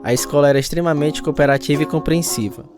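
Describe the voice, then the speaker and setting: A man's voice: a little high, quick pace, music in the background, natural voice. A man acting in a radio drama as a man telling the story of his mischievous, sporty youth. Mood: reflective. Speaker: narrator and lead actor. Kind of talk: dramatized first-person radio narration.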